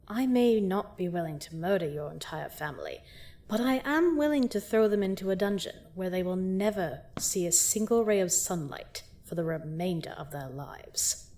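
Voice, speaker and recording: A woman's voice: mid-range voice, mellow, natural voice. Gloating, seductive vampire queen, acted by a woman. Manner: theatrical, mock-sweet, menacing, drawn-out taunts. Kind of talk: scripted roleplay audio drama monologue.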